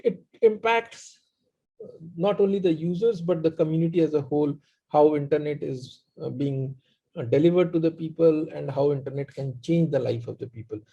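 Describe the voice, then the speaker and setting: High-pitched, mellow Indian-accented man, muffled audio. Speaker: panelist, community organizer. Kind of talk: panel presentation, explaining. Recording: dull, muffled online-call audio.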